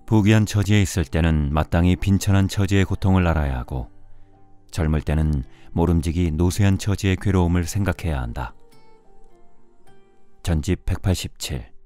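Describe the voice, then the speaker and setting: A man reading a storybook in a measured bedtime audiobook style, with music behind him. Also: low voice, mellow, clear, resonant tone. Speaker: audiobook narrator. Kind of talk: scripted storybook narration for bedtime listening.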